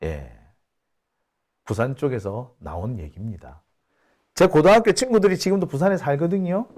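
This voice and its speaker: A man's voice: fairly high pitch, moderate pace. A middle-aged man from Busan hosting casual political commentary, telling stories and affirming himself with short "ye" interjections. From Busan, South Korea. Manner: animated, storytelling, frequent "ye" affirmations. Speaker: YouTube channel host.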